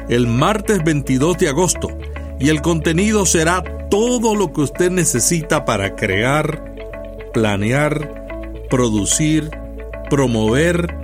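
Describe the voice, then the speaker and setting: A man with a Puerto Rican accent hosting a podcast, reading a scripted intro and interviewing guests in a measured, announcer-like way. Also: medium pitch. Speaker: podcast host.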